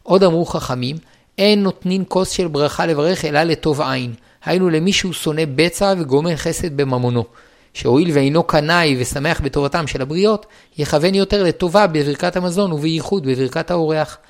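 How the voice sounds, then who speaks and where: A man with a fairly high voice reads a religious law text aloud in an even, measured recitation. He moves through each ruling steadily, pausing briefly to restart a stumbled word before carrying on. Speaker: reader of a Jewish law text. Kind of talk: formal read-aloud of a religious law book.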